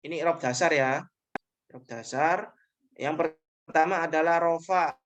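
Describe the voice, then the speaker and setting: A man's voice: fairly high pitch, unhurried, fairly bright tone. Patient male online grammar teacher. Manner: explains patiently, repeating points and tagging phrases with "ya". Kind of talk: online class lecture.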